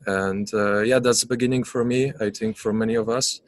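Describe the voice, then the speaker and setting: Polish man on a video call, mid pitch, dry sound, halting. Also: steady tone, no room sound, rough recording. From Poland. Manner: halting, searching for words. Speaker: participant. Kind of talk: casual self-introduction.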